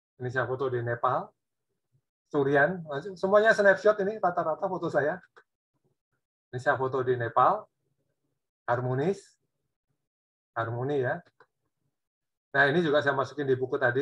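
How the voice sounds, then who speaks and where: Using ordinary pitch variation, a man speaks with long, frequent pauses. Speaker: photographer. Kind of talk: talk with slides. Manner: casual, animated.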